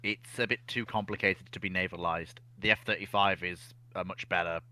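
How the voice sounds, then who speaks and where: A man's voice: low-pitched, fairly even intonation, fairly quick, sharp tone, smooth. A man chatting informally as a panelist in an expert discussion.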